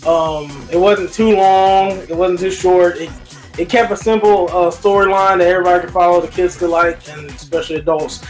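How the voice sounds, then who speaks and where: A man with a high voice talks as co-host of a casual review show. His delivery is informal and halting, with sentences restarted mid-thought, and faint music plays behind him. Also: fairly even intonation, rough recording. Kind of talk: casual movie review chat.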